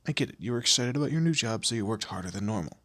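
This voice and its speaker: A man playing a commanding, teasing demon lord in an audio roleplay, with a low gravelly, husky voice and an imperious, theatrical manner. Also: lively intonation, very fast, fairly bright tone, no room sound. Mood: measured praise. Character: male demon lord, commanding, menacing, teasing boss of hell. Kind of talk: scripted audio roleplay addressed to the listener.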